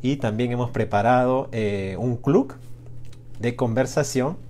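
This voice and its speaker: A man's voice: mid-range voice, measured pace, darkish tone. A man hosting a live Spanish lesson, speaking in an encouraging way with frequent hesitations. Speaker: Spanish teacher and host. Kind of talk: live-streamed language lesson chat.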